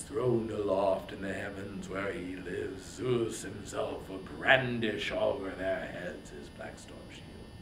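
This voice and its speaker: A man voicing an anguished, wrathful warrior king in a declamatory, impassioned reading of epic poetry. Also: full character voice. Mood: grim, vengeful. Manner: impassioned, declamatory, swinging from shouts to breathy whispers. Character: anguished, wrathful warrior king grieving over wounded brother. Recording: roomy, echoing, faint background rumble.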